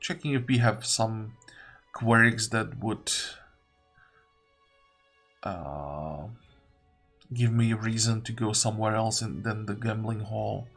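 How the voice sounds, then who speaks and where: Slightly husky man musing through a game. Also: lowish voice, slow, long pauses, fairly bright tone. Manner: musing, deliberating step by step. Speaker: gamer narrating own playthrough. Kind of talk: casual gameplay commentary, thinking aloud. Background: game music.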